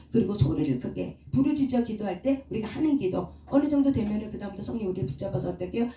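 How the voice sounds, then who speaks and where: A woman's voice: medium pitch, warm tone. A woman leading a prayer meeting, preaching and asking the congregation questions. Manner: asks the congregation questions, leads call-and-response. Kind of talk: sermon. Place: church prayer room. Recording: echoey room, far from the mic.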